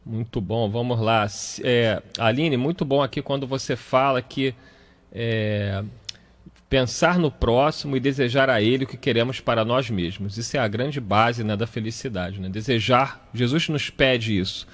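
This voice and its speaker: A man's voice: medium pitch, normal speed. A Brazilian man with a Brazilian Portuguese accent hosting a radio talk show, reading out and greeting listener messages. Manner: warm greetings to listeners, reads messages aloud. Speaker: radio host.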